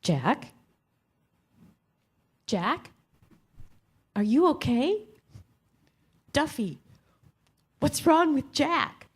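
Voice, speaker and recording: Woman acting a gentle, unhurried sweetheart. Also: high-pitched, sing-song, full character voice. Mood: concerned. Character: gentle, upbeat, caring young female love interest. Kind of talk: staged comedy screenplay reading.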